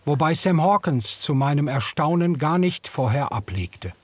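A man narrating a radio drama in the first person, in a measured, old-fashioned storytelling manner. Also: on the high side, animated, breathy edge, dry recording. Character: young German man recalling the past. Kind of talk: scripted audiobook narration.

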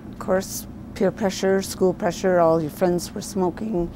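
A woman's voice: lowish voice, steady tone, unhurried, background noise. A woman in her fifties talking casually and reflectively in an interview, plain-spoken. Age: 50s. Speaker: patient, longtime smoker. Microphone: lapel.

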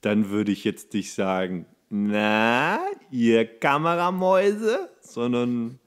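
A man's voice: medium pitch, lively intonation, slow, clean tone. A man in his thirties chatting casually as a podcast co-host, rambling and rephrasing mid-sentence. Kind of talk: casual chat.

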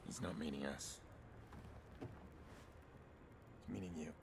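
An actor playing a cool-headed getaway driver in a video game, gruff, terse and commanding. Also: male voice, very deep voice, fast, noisy background. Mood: grim, matter-of-fact. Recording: game music and sirens behind.

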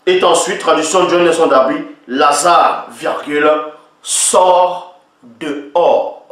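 A man's voice: fairly high pitch, steady tone, moderate pace, a bit bright. A man preaching in an emphatic teaching style, often checking that his listeners follow him. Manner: emphatic, repeatedly asks listeners if they follow. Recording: very echoey room, voice far from mic.

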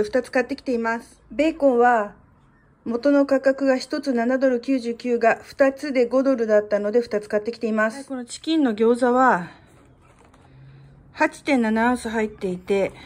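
A middle-aged woman vlogger narrating casually in a matter-of-fact, conversational way, as in a shopping haul. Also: fairly high pitch.

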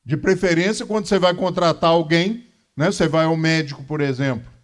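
This is a Brazilian man in his fifties with a somewhat high-pitched voice. He speaks as a lecturer on religious matters, in a didactic but conversational way. He tends to repeat key phrases for emphasis. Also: brisk. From Minas Gerais, Brazil. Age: 50s. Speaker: lecturer at a Spiritist centre. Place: small meeting room, indoors.

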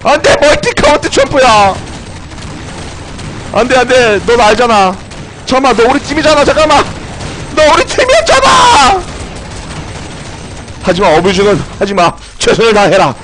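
A man streaming a game live, excitedly shouting orders at his teammates and breaking into mock-grand commands. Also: very high voice, brisk. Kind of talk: live gameplay commentary. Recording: noisy game audio behind.

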